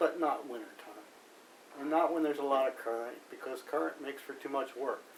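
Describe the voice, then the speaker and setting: Over noticeable background noise, a man with an American accent and fairly high pitch talks at a fairly quick pace with ordinary pitch variation and big swings in loudness. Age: 60s. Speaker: musician and surfer. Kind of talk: oral history interview.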